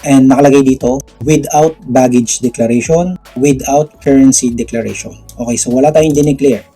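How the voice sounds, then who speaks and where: A man's voice: medium pitch, moderate pace, mellow, slightly rough, faint music behind. A Filipino man with a slight Visayan accent, chatting through a screen-recorded tutorial and answering viewer questions, often checking in with "okay?". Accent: Visayan-tinged Filipino. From Philippines. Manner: chatty, explanatory, laughs often, frequent "okay?" tags. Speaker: vlogger.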